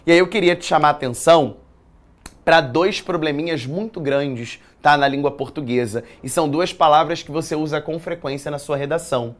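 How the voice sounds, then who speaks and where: A man with a Brazilian accent teaching a live online exam-prep writing class from a studio, chatty and lively, quizzing his viewers with slangy asides. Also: fairly high pitch, a little fast. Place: studio in a commercial building.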